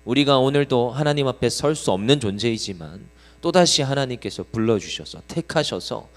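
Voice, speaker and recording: A man delivers a sermon in a church sanctuary, his voice sitting at an ordinary middle pitch. He speaks conversationally, asking the congregation rhetorical questions and slipping in light humorous stories. A long hall reverb trails each phrase. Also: lively intonation, normal speed, soft background music. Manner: humorous storytelling asides. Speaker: preacher.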